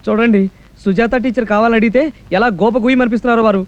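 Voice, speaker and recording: A cheeky, bumbling young tailor from a comic film scene, fawning and overly polite, rattles his lines off quickly. He keeps pestering and apologizing in the same breath. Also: very high-pitched, fairly even intonation, muffled recording.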